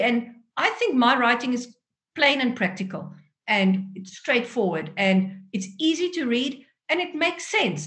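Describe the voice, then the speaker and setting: A woman's high voice swings very widely in pitch as she speaks at a fairly slow pace. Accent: South African. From South Africa. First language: Afrikaans. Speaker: author. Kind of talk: interview.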